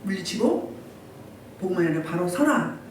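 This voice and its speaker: A woman pastor with a lowish voice and lively intonation preaches a Sunday sermon at a normal speed, pressing her listeners with repeated rhetorical questions. The sound comes from far off in an echoey church sanctuary, with slight background noise.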